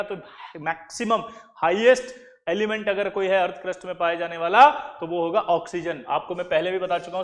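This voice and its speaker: High-voiced man teaching chemistry. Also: big-room sound. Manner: quizzes listeners with repeated questions. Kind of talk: classroom lecture.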